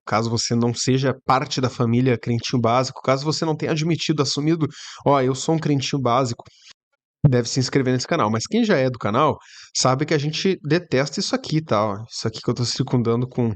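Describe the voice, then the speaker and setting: A man's voice: mid-range voice, brisk. A man hosting a reaction video, commenting casually and sarcastically on a sermon. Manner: sarcastic, chatty asides. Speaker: YouTube reaction host.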